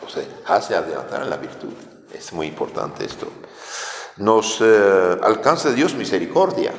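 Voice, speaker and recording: A priest teaching catechism with a French accent, preaching in a lively way and asking his listeners questions. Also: lowish voice, measured pace. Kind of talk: catechism sermon. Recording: echoey hall.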